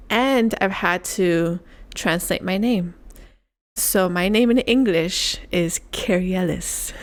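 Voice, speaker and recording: A young woman from Puerto Rico chatting casually as co-host, rambling and laughing as she tells her story. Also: on the low side. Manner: rambling, laughs often, restarts thoughts. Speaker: podcast co-host. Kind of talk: casual chat.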